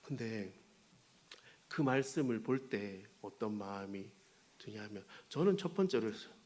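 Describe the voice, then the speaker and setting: A man's voice: fairly low pitch, expressive, a little slow, a little mellow. A man, a pastor, giving a humorous sermon to Sunday school teachers, telling stories with playful asides to the audience.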